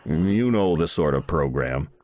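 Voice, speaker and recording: A man's voice: a bass voice, lively intonation, measured pace, a little mellow. A man reading a humorous first-person short story aloud in the manner of a wry storyteller. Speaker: audiobook reader.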